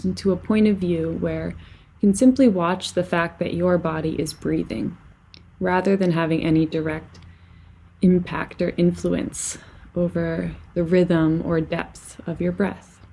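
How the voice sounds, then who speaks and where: A woman leading a guided relaxation as a meditation teacher, speaking gently and soothingly with unhurried phrasing and long pauses. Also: fairly even intonation, husky, rough recording. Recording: lower-quality microphone.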